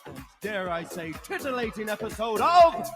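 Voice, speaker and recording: A man playing a bombastic announcer of a lurid show in a demo reel, showy and slurred, swamped by loud music. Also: sits high, very animated. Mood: gleeful hype. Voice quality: slurred diction. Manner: showy, drawn-out, shouted build-ups. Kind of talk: DIY character demo reel acting.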